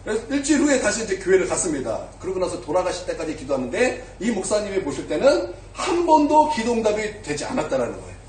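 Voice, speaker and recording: A male pastor with a high voice delivers a sermon, speaking fast with few pauses and big swings in pitch, his tone slightly mellow. He tells a story, voicing its characters, and now and then puts questions to the congregation. The distant mic picks up the church sanctuary's echo along with a faint hiss or hum.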